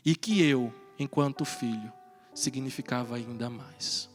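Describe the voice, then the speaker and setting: A man's voice: mid-range voice, measured pace. A man, a priest giving a homily at Mass and telling a personal story earnestly, chuckling now and then. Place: church. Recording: reverberant church with soft music.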